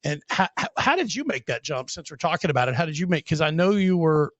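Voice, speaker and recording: A man in his thirties hosts a podcast in a small home studio, upbeat and chatty, tossing in casual words like "man." His voice is close on a boom mic, and it comes through dull and muffled. The room adds nothing, so the sound is very dry. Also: sing-song, fast, a bit bright, no room sound. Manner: upbeat, chatty, calls the guest man and bro. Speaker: podcast host. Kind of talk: casual interview chat. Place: small home studio with brick wall and colored lights. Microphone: boom mic close up, wearing headphones.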